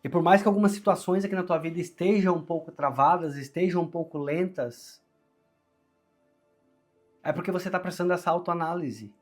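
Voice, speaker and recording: Male Brazilian tarot reader, fairly high voice strained by a sore throat, earnest and encouraging, music underneath. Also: brisk. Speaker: tarot reader, channel host. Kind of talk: conversational tarot reading to viewers.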